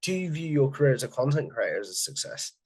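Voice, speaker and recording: A man's voice: mid-range voice, very animated, fast talker, a little mellow, slightly rough. Guy hosting an interview, picks his words carefully, mid-range voice. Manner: careful, rephrases his questions. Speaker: podcast host. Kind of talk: interview questions.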